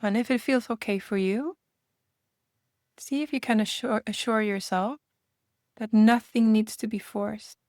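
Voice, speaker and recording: A woman's voice: fairly high pitch, fairly even intonation, no room sound. Woman guiding a meditation, close and dry. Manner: gentle, unhurried invitations with long pauses. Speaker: meditation guide. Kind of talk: guided meditation.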